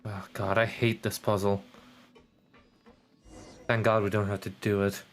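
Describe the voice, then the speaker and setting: A man giving casual live commentary as a game streamer, musing and thinking out loud as he goes. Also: lowish voice, little pitch movement, unhurried, soft background music.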